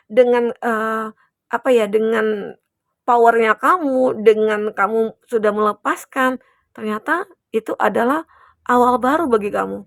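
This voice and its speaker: A young adult woman gives her viewers a collective tarot reading that's chatty, reassuring, and full of fillers. Her voice sits on the high side and is gravelly, captured in a dry, studio-quality recording.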